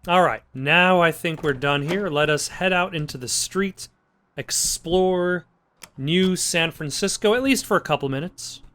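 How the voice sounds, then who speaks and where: Higher-voiced man casually commenting on a game. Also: a little slow, bright, forceful tone, slight background noise. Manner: dry joking, musing aloud. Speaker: let's play host.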